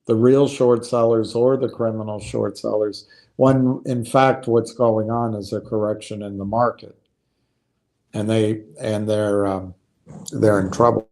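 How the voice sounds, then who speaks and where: A man hosting a live stock market stream. He talks slowly and without hurry. His commentary is dry and casual. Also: mid-range voice, a little mellow. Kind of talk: casual chat.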